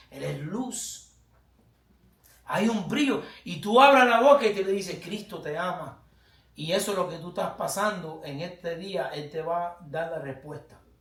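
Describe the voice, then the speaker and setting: The speech is animated, with lively intonation at a fairly slow pace. Audible room echo and noticeable background noise come through. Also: man, high pitch for a man. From United States. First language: English (speaking Spanish). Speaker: pastor. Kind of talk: sermon.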